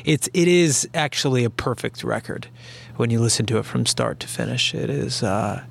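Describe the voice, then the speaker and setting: A man's voice: medium pitch, lively intonation, normal speed, creaky, a little hiss or hum. A man guest-hosting a radio show, chatting casually about music with many fillers and restarts. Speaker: radio guest host, band member.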